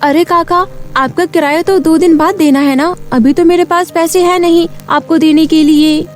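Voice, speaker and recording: Poor, respectful young shop girl for cartoon story played by a woman; high register, music underneath. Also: steady tone, normal speed. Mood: polite.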